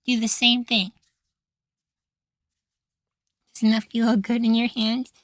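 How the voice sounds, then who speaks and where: A man playing an affectionate, easily flustered young femboy househusband in an intimate ASMR roleplay, speaking in a soft, feminine, coaxing way. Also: extremely high pitch, little pitch movement, normal speed, no room sound. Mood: affectionate, praising. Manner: coaxing, gently praising, sweetly apologetic.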